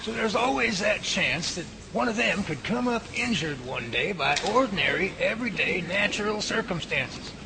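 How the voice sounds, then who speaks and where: An actor playing a research lab leader guiding a new team member around, explaining steadily. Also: male voice, sits high, moderate pace, creaky, few pauses. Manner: steady, explanatory tour guide. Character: Bigfoot lab head giving a tour. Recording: noisy home-made audio drama.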